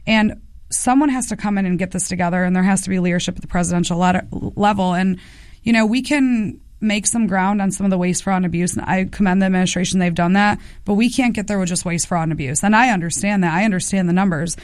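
A woman's voice: mid-range voice, fast, no room sound, clean studio sound. A woman in her thirties, a congressional candidate, answering policy questions in a radio interview with assertive talk. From United States. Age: 30s.

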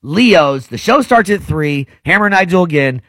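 A man's voice: sits high, animated, normal speed, fairly bright tone, no echo, clean studio sound. A man in his forties co-hosting a casual radio show, joking and plugging events. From United States. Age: 40s. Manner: playful, joking. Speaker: co-host. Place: radio studio.

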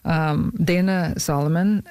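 A middle-aged woman from northern Saskatchewan, a filmmaker guest talking in a casual studio interview with many pauses and fillers. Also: low-pitched, steady tone, a little mellow, clear, resonant tone, no echo. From northern Saskatchewan, Canada. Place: radio studio.

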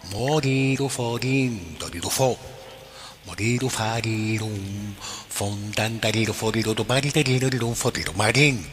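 A man's voice: fairly low pitch, measured pace, close to an everyday voice. A man voicing a cheerful male song inventor who hums tunes in made-up syllables. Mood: singsong. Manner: hums melodies in nonsense syllables. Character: nonsense-singing male song inventor, chirpy. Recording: reverberant with music behind.

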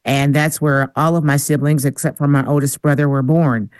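A woman's voice: low voice, steady tone, moderate pace, a little mellow, dry recording. A woman guest on a radio interview show, telling her life story with eager enthusiasm. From Michigan. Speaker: guest, singer and speaker. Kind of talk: casual interview talk.

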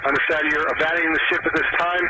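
A man's voice: a little high, little pitch movement, rapid-fire. Man on marine radio through heavy static. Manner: clipped, formulaic radio phrasing. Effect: marine radio transmission. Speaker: coast guard radio operator. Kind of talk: radio procedure calls.

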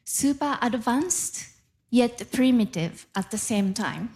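A woman's voice: fairly high pitch, expressive, slow pace, a little mellow, slightly rough. A middle-aged woman from Japan with a Japanese accent, doing playful stand-up comedy and crowd work before a live audience. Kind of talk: stand-up set.

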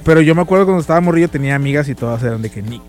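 A man's voice: on the high side, expressive, a little mellow, soft background music. A man with a Mexican accent co-hosting a casual celebrity gossip show, agreeing often in short replies. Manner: quick, agreeable, lots of short backchannels. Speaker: show co-host.

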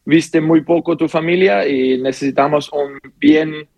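Slow, halting man. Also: a little high, steady tone, vocal fry, darkish tone, no echo. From Austria. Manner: halting non-native speech, many pauses and fillers. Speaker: footballer guest. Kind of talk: phone interview answers.

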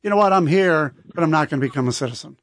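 A man's voice: a little high, animated, racing, dry recording, studio quality. A man co-hosting a talk radio show, firmly explaining his point to a caller.

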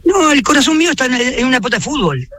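A man's voice: extremely high pitch, big pitch swings, very fast, a bit bright. A man in his sixties from Argentina, with an Argentine accent, calling in to a radio show and giving his views with passion and emphasis. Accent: Argentine Spanish. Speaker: caller. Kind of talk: radio phone-in chat.

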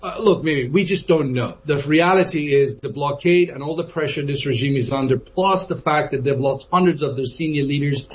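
A man speaking as a guest analyst on a call-in program, measured and earnest, often asking rhetorical questions. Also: on the high side, lo-fi sound, a little hiss or hum.

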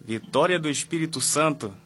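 A man's voice: a little high, moderate pace, a bit bright. A Brazilian man co-hosting a live religious radio call-in, courteous and devout in the way he talks. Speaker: radio prayer show co-host. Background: music bed.

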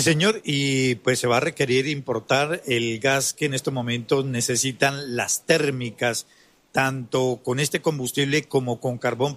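Steady news reporter. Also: male voice, medium pitch. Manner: steady, informative. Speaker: radio reporter.

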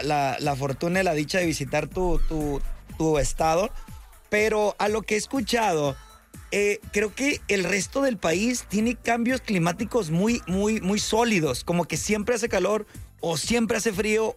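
A man's voice: high voice, moderate pace, soft background music. A man hosting an evening radio show, chatting casually and chummily with listeners. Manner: chummy, slangy, upbeat. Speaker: radio host. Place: radio studio.

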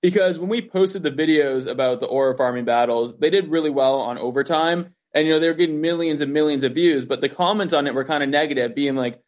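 A man's voice: on the high side, fast, few pauses. A young American man giving casual interview answers in informal, slangy speech peppered with "like". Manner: informal, youthful slang, frequent "like". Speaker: interview guest, event host.

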